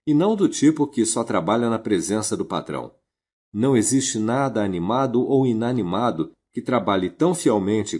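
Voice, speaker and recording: Husky man narrating an audiobook. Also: medium pitch, dark tone.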